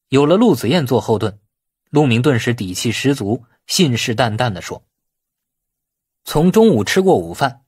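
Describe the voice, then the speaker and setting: Male audiobook narrator, lively intonation. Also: mid-range voice, breathy edge, no echo, clean studio sound. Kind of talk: scripted narration of a novel.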